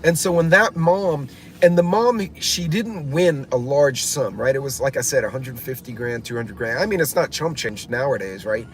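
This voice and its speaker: A man's voice: mid-range voice, moderate pace, slight background noise. A man hosting a prepper vlog in a car, talking bluntly and casually, with lots of fillers, restarts and swearing. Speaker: prepper channel host. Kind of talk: casual rambling vlog commentary. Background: classic rock music playing.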